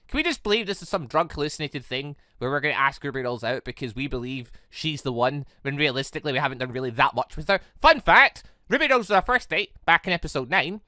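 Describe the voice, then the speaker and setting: A gaming video host rambles casually through commentary, chatty and digressive, often doubling back to correct what he just said. The voice is medium-pitched with a sharp tone, captured in a dry, studio-quality recording.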